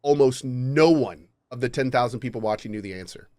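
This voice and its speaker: A man's voice: medium pitch, warm tone, no room sound. Keen male streamer, dry close sound. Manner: enthusiastic, quick affirmations. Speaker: streamer, podcast co-host. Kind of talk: casual gaming podcast chat.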